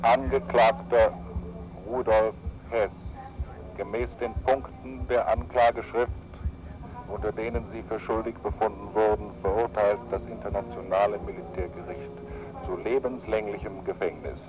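A man serving as court interpreter reads out court sentences in a measured, solemn official manner, heard as old archival newsreel-style audio. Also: lowish voice, fairly even intonation. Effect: old archival newsreel-style broadcast audio. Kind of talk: formal reading of court sentences. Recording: dull lo-fi archive recording with faint music.

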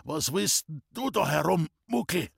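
A man reading aloud voices a gruff, wary old mountain hut keeper who calls out sharply and gasps. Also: a little high, expressive, unhurried, no room sound, studio quality, pitched above the performer's own voice, heavily acted. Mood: gruff alarm. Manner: gasping, calling out sharply.

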